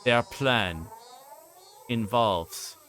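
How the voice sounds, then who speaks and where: A man with a mid-pitched voice commentates casually on a livestream. He talks in a halting, repetitive way, as if explaining things to his viewers off the cuff. Faint noise and ambience sit behind his voice. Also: a bit bright. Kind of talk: casual livestream commentary on a visual novel, reading aloud and explaining.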